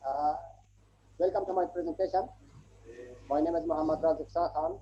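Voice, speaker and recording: A young man from Afghanistan presents research over an online call. His voice is raspy and a little high, and his non-native English is hesitant, often doubling back on phrases. The audio is somewhat muffled. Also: fairly even intonation, normal speed, dark tone. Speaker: PhD student presenter. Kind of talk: academic slide presentation. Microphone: online video call.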